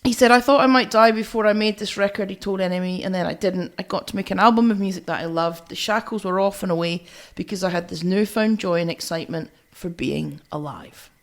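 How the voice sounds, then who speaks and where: A woman's voice: mid-range voice, a little fast, hardly any pauses. A woman co-hosting a music podcast, chatting and reviewing in a blunt, teasing way with some swearing. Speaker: podcast co-host.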